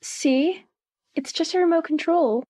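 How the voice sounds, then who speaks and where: A woman's voice: very high voice, a little slow, warm tone, no echo, studio quality. A woman playing a friendly, insistent sixteen-year-old little sister in an audio drama. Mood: encouraging. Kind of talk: hobby audio drama acting.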